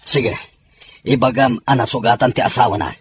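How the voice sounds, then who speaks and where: A man's voice: medium pitch, fairly even intonation, moderate pace, natural voice. A man playing a commanding army officer in a radio drama, speaking with a Filipino accent. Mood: grave, steady.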